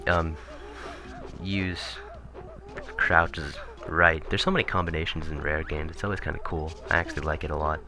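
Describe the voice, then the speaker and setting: Deep-voiced man rambling over game music. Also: flat delivery, normal speed. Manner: rambling, self-correcting, chuckling asides. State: voice getting raspy. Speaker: let's play commentator. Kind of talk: casual gameplay commentary. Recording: game music playing behind.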